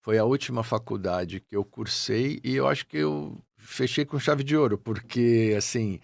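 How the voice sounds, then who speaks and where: Older São Paulo guest, warm reflective talker, dry gravelly voice. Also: male voice, medium pitch, moderate pace, no echo. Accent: São Paulo Portuguese. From Brazil (São Paulo). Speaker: guest, actor. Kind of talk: casual interview chat.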